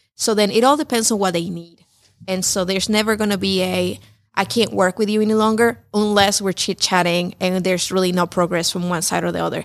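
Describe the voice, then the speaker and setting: A woman with a Spanish accent talks at a fairly quick pace in a medium pitch. The recording is very clean, with a silent background. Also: ordinary pitch variation. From Mexico, moved to Rome, Georgia at twelve. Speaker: small business advisor. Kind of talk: radio interview. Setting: studio.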